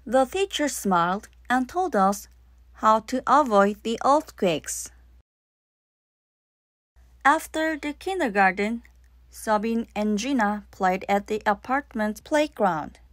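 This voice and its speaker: A woman's voice: on the high side, lively intonation, slow, a bit bright, no room sound, clean studio sound. A woman reading scripted narration for a children's audiobook. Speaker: storybook narrator.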